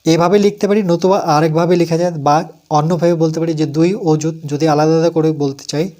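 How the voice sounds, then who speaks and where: A man's voice: on the high side, fairly even intonation, fast talker, dark tone. A man with a West Bengal accent teaches a primary math lesson step by step. He counts aloud and asks questions that he then answers himself.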